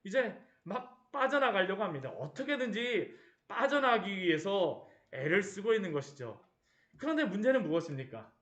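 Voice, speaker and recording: Animated preacher with a high, echoey voice. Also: male voice. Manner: rhetorical questions, acts out the disciples' cries. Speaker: pastor. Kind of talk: sermon. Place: church.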